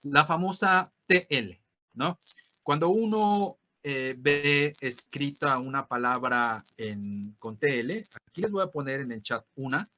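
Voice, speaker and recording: Bright-voiced Mexican teacher, lo-fi call audio. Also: male voice, on the high side. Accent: Mexican Spanish. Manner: explanatory, peppered with tag questions; repeats words slowly to model pronunciation. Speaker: language teacher. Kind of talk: online class lecture.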